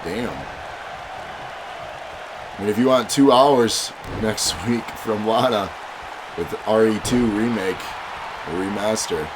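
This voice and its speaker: A man's voice: on the low side, slow, long pauses. A man with a stuffy head cold, hosting a livestream, chatting casually with viewers and calling matches. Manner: chatty, reads donations and chat aloud. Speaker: livestream host and commentator. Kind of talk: casual stream chat with match commentary. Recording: loud music and crowd behind. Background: loud game music and crowd noise.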